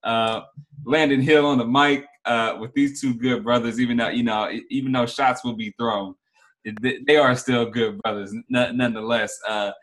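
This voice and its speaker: A man's voice: medium pitch, steady tone, moderate pace, fairly bright tone. Man, podcast host, casual chat, laid-back, laughs a lot. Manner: laid-back, laughs often, stumbles on restarts.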